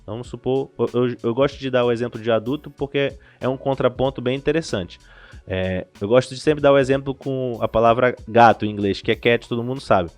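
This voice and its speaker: A man's voice: mid-range voice, fairly quick, faint music behind. A Brazilian man, a language school director, explaining things in a casual podcast interview, restarting his sentences often. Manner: animated explainer with frequent restarts.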